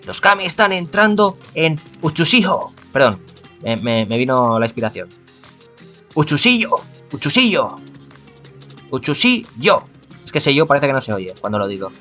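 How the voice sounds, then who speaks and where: Man, accent from Spain, mid pitch, reading a visual novel aloud, stumbling, self-correcting, faint music behind. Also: sing-song, unhurried, pauses often, pushed and bright. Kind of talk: reading a game's text aloud with asides.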